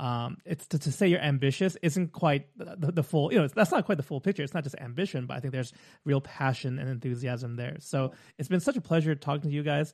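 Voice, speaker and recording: Very fast and somewhat breathy, a man with a fairly high voice speaks with ordinary pitch variation against a quiet background. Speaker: podcast host. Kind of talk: interview chat.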